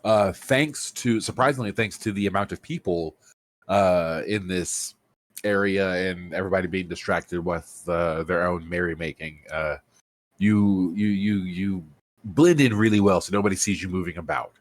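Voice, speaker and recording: Man, game master, very low voice, hesitant, lots of uhs and restarts, tabletop narration. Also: moderate pace. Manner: hesitant, many fillers and restarts.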